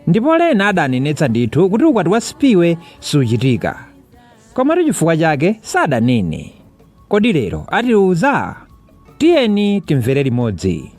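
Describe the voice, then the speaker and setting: A Malawian man presents a radio drama with very animated, sweeping intonation. His voice sits a little high for a man. Music plays softly behind his scripted narration. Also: moderate pace. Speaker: programme announcer and narrator.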